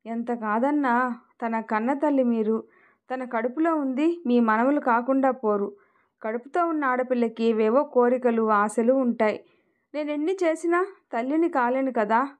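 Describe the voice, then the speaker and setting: A woman's voice: fairly high pitch, natural voice. A woman voicing a tender pleading young husband. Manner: affectionate, pleading. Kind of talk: emotional story narration.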